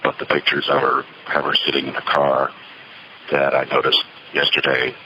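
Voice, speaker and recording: A man giving a halting, reflective, rambling monologue on a payphone call from an outdoor phone enclosure, with a slightly noisy line. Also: very deep voice, monotone. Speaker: solo caller recording monologues from payphones.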